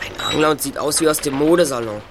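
A man's voice: fairly high pitch, quick pace, background noise, lightly acted. A young male actor playing a polite, wary teenage boy detective in an audio drama. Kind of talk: German youth audio drama acting.

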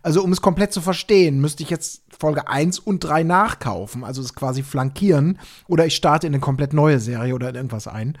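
A man's voice: fairly high pitch, brisk, few pauses. A man talking casually and explaining things as a podcast co-host.

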